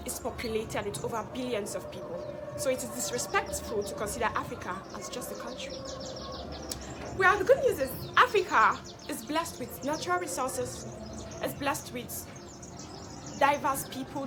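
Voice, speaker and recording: In a comedy skit, a woman plays a proud young Hausa woman with a Nigerian Hausa accent, speechifying in a formal manner before breaking into loud, laughing banter. Her voice sits high and close to an everyday voice, at a moderate pace. There's noise in the background.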